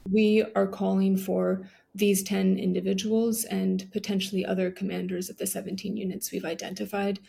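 A woman's voice: medium pitch, little pitch movement, normal speed, creaky, few pauses, mellow. A woman interviewed about a report she helped write, speaking in a formal, precise way. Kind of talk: interview soundbite.

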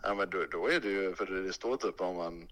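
Low, bright-voiced man, rambling casual podcast talk, dry close mic. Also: dry recording, poor audio. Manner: rambling, hesitant, heavy fillers. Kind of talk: casual chat.

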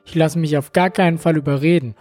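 A man's voice: fairly high pitch, fairly even intonation, fast, darkish tone, no echo, pitched above the performer's own voice, close to an everyday voice. A man voicing a bumbling young boyfriend with an exaggerated soap-opera delivery. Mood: stubborn.

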